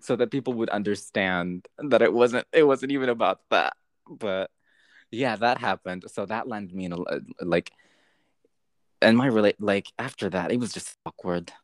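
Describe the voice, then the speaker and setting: A young man chatting casually and telling a story, with lively, swearing storytelling and frequent laughs. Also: lowish voice, moderate pace, no room sound, clean studio sound.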